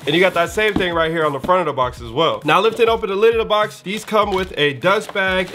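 A man's voice: a little high, fairly bright tone. A young man with a stuffy, nasal voice from a cold, hosting a laid-back, slangy sneaker review. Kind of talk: casual product review. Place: indoor studio with shoe shelves.

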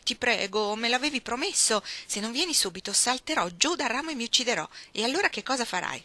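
A woman's voice: expressive, fast talker, no echo. Woman reading as pleading tomboy Iggy. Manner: insistent, coaxing, higher and louder than narration. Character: tomboyish girl Iggy, impish, pleading, teasing.

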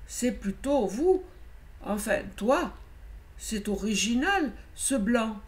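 Brief: woman reader as young black wolf, higher voice, jumpy, rambling. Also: very animated, slow pace. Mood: chatty.

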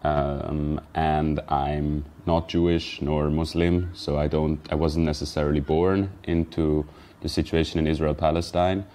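A man's voice: extremely low pitch, level tone, unhurried, mellow. A young man from Switzerland, talking thoughtfully as a podcast guest, with frequent fillers and restarts. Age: young adult. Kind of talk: casual interview talk.

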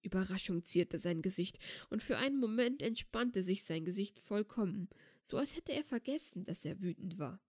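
A woman narrating a fan fiction audiobook in a calm, steady way. Her voice sits at a middling pitch, neither high nor low. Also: normal speed, no room sound, clean studio sound. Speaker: audiobook reader.

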